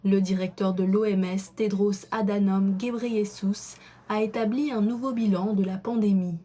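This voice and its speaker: Mellow woman reading a news report. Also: mid-range voice, steady tone. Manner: measured reading. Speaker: correspondent.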